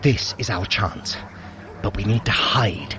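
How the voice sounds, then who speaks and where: An actor playing a sly, vain trickster god in an audio drama, sardonic and theatrical, sharp-tongued with a fretful edge. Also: male voice, on the low side, lively intonation, measured pace, a little hiss or hum. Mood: wry, scheming. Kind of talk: audio drama acting, addressing the listener.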